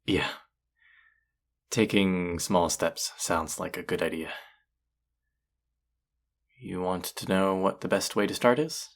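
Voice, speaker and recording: A man's voice: deep voice, slow pace, long pauses. A man acting a cocky, teasing male chef in an intimate romantic audio roleplay, speaking to his rival and love interest. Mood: tender, playful.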